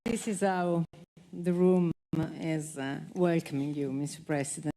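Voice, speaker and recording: A woman moderating an on-stage interview in English, measured and pausing with fillers. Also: deep voice, dark tone, slight background noise. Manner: measured, hesitant, many fillers. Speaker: conference moderator. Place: conference hall.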